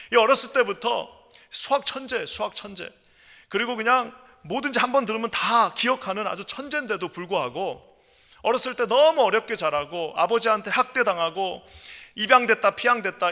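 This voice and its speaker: A passionate male pastor with a high, very bright voice preaches in a church. His sermon moves from quiet storytelling to loud, ringing proclamation. A long hall reverb trails each phrase. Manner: impassioned, swings from hushed storytelling to loud proclamation. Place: church sanctuary.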